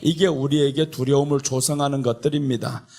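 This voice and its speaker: A man's voice: mid-range voice, steady tone, brisk, vocal fry, a little mellow. A man preaching as a pastor in an impassioned, conversational style, emphatic and repetitive, exhorting listeners with rhetorical questions. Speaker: pastor preaching at a prayer retreat.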